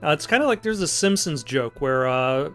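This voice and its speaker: A man with a fairly high voice gives casual let's play commentary. He wanders into halting asides, with light music behind him. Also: lively intonation, a bit bright. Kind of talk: casual game playthrough commentary.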